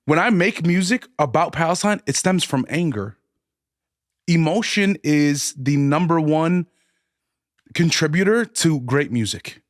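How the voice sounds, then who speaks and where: A man from the United States appears as a guest musician on a casual podcast, speaking passionately and stressing his key points with drawn-out emphasis, saying "dog" and "man." His voice is a little high and animated, recorded in studio quality with no echo.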